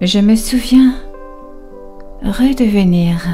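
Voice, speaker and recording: Very slow speech with ordinary pitch variation over music in the background. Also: woman. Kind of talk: guided meditation reading.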